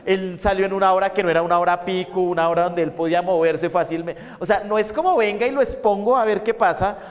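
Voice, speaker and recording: A man's voice: high voice, quick pace. A man lecturing on psychology, telling stories and repeating key points for his students to write down. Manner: storytelling, repeats points to dictate. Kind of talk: university lecture. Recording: echoey lecture hall.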